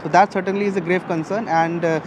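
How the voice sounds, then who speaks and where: A male field reporter with an Indian accent speaks quickly in a fairly high voice. He sounds urgent, tripping over words and correcting himself as he goes, with distinct outdoor traffic noise behind him. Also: steady tone. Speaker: news reporter. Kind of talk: live report, partly reading from a document.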